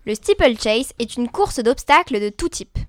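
A young woman co-hosting a scripted debate show, expressive and playfully indignant. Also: on the high side, moderate pace, no echo, studio quality. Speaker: co-host.

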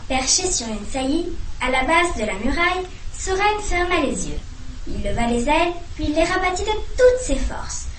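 Woman, storybook reader, expressive animated narration, high voice, distant mic, faint hum. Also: normal speed, echoey room. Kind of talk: storybook reading aloud.

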